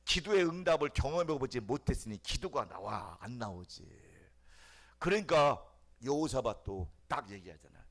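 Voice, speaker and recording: A middle-aged man preaching a Sunday sermon as pastor, talking plainly and repetitively, asking the congregation questions, and swinging from loud pleading cries down to hushed near-whispers. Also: mid-range voice.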